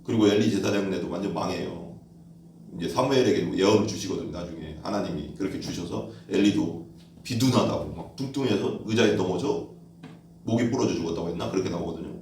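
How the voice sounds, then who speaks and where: Male pastor, low voice, chatty sermon style with rhetorical questions, recorded from a distance in a very echoey church room. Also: quick pace, gravelly, a little mellow, a little hiss or hum. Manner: conversational preaching, rhetorical questions, acts out quoted voices. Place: church hall.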